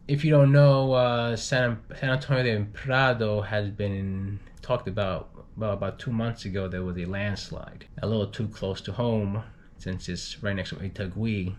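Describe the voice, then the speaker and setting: A man reading travel news in an unpolished, halting way, stumbling over and repeating words. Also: on the low side, fairly even intonation, slight background noise. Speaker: guest news reader, group moderator.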